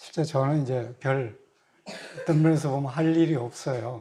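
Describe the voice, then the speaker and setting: The man's voice has a dark, mellow tone. It sounds somewhat breathy. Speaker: visiting lay preacher. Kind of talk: sermon. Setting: church. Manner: halting, many filler sounds.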